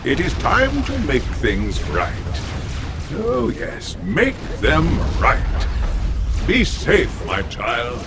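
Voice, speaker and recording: An old eccentric game scientist who speaks very slowly, his voice swooping wildly up and down as he muses on his mistakes. He keeps murmuring to himself, fatherly and regretful, and loud music plays behind him. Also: medium pitch, wildly swooping pitch, heavily acted. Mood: remorseful. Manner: slow, musing, repeats himself with "oh, yes". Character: elderly eccentric male scientist, remorseful and fatherly.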